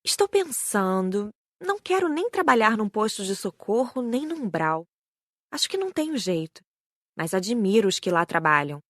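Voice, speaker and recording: A woman's voice: medium pitch, very animated, normal speed, no room sound, clean studio sound. A woman with a Brazilian accent reading a scripted first-person audiobook story. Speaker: audiobook narrator.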